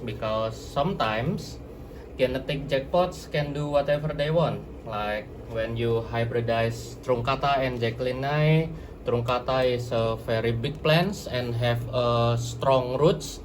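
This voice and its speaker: A man with an Indonesian accent, a native Indonesian speaker, hosting an instructional vlog, explaining slowly and sometimes searching for words. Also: mid-range voice, background noise. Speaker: plant grower and channel host.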